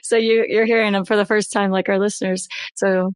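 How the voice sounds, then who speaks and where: A middle-aged woman hosting a podcast with a hoarse voice that is still recovering, chatting in an upbeat way. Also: mid-range voice, little pitch movement, a little fast, no echo, clean studio sound. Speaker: podcast host. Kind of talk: podcast intro, casual chat.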